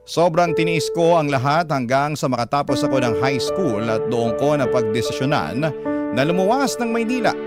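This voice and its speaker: Man narrating as a candid gay letter sender over loud music. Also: mid-range voice, lightly acted. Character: gay man confessing his hard life story, candid, self-deprecating. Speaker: reader of a letter sender's story. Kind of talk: first-person dramatic narration for radio. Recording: loud music bed underneath.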